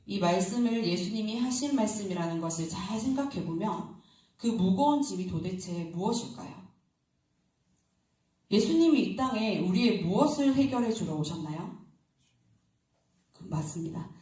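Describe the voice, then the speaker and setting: A woman preaches an early-morning church sermon in an easy, storytelling way, often putting questions to her listeners. Her voice sits at a middle pitch for a woman. It is picked up from a distance and rings with heavy echo from a large hall. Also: animated, moderate pace, pauses often, warm tone. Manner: conversational, anecdotal, asks the congregation questions. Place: church sanctuary. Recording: very echoey hall, distant mic.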